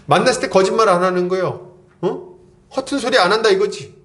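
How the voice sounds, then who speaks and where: Man, pastor, church sermon, very high voice, rhetorical questions. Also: brisk, fairly bright tone. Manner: exhorting with many rhetorical questions to the congregation; acts out imagined conversations in casual speech. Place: church service.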